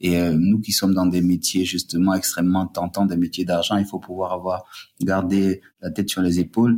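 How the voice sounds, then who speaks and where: The recording is very clean, with a silent background. The speech moves at a moderate pace in a monotone, flat intonation. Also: man, very deep, low pitch for a man. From Côte d'Ivoire. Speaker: CEO of a financial group. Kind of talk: interview. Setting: recording in Abidjan. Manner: halting, with frequent repetitions.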